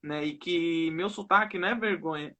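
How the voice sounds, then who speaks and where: A man's voice: on the high side, normal speed, pushed and bright. A young man with a Brazilian Northeastern accent, speaking as a guest on a live video call and ending nearly every phrase with a questioning tag. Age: young adult. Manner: tags almost every phrase with "né?". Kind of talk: personal testimony in a live interview.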